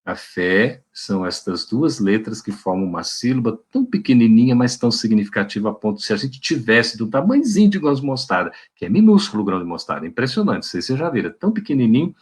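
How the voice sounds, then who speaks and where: A man's voice: medium pitch, very animated, quick pace, few pauses, breathy edge. A man giving a devotional spiritist talk to an online audience in a colloquial preaching manner, often adding tag questions. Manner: warm, colloquial preaching with frequent "né?" tags. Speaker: spiritist lecturer. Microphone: video call.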